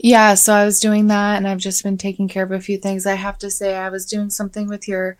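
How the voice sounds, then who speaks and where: A young adult woman hosting a podcast, casual and joking, with a fairly monotone voice and vocal fry. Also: medium pitch, a little fast. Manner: casual, joking, swears freely. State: tired. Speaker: podcast host.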